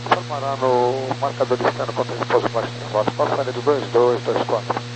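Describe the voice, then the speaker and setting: A man's voice: medium pitch, fairly even intonation, fairly quick. A man with a Brazilian accent, an airline pilot making procedural readbacks over aviation radio. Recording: humming, noisy aviation radio.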